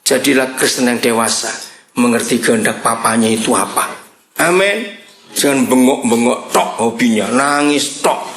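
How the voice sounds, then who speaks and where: A man preaching a sermon, joking with the congregation in an animated, teasing way. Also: mid-range voice, normal speed. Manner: animated and joking, mixes in Javanese words. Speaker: pastor. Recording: roomy hall sound.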